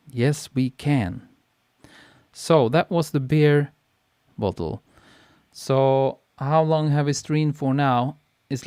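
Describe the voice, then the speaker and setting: Relaxed man chatting on a live stream. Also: medium pitch, clear, resonant tone, no room sound, studio quality. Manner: relaxed, chatty, laughs easily, reads comments aloud. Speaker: photographer hosting a live stream. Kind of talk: casual live-stream chat reading viewer comments. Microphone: podcast mic on a boom arm.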